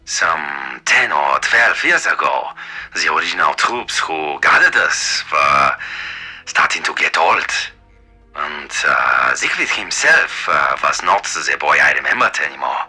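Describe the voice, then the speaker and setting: An actor playing an eccentric, older German wartime scientist in a video game, excitable and arrogant, raspy and halting, with a German accent. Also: male voice, extremely low pitch, faint music behind, heavily acted. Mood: reminiscing. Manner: halting, theatrical, with abrupt outbursts. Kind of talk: video game character acting.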